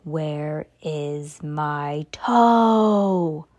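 A spooky storybook creature from beyond the grave, put on by a woman reading aloud. It groans in a breathy, menacing voice and stretches every word out very slowly. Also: low voice, darkish tone, voice pushed down, heavily acted. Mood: eerie groaning. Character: groaning undead creature seeking its missing toe.

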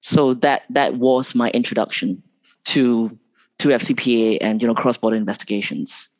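A man's voice: medium pitch, moderate pace. Hesitant man from Malaysia, dull lo-fi audio. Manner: hesitant, many restarts and fillers, laughs often. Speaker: guest, investigations lawyer. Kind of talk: casual interview talk.

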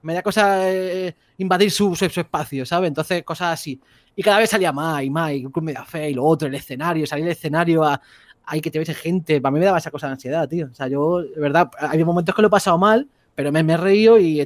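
A man's voice: a little high, dry recording. A young man chatting casually as a podcast guest, hesitant and repeating himself, often tagging "sabes". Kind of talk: casual chat.

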